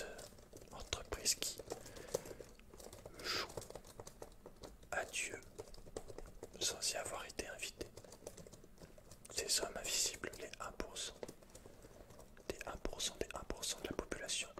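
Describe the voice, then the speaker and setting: A young man playing a guarded computer repairman and hacker in a halting, breathy whispered ASMR roleplay. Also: lightly acted. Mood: guarded, brooding. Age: young adult. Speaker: ASMR creator. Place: small indoor set, dark backdrop.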